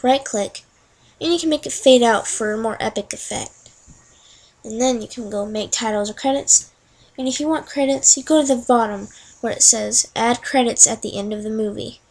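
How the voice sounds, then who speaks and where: A young woman chatting through each click in a casual screen-recorded software tutorial. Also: on the high side, moderate pace, poor audio. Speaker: tutorial narrator.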